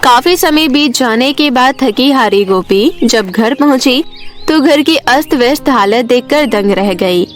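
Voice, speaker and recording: High-voiced woman narrating a children's story. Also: animated, unhurried, soft background music.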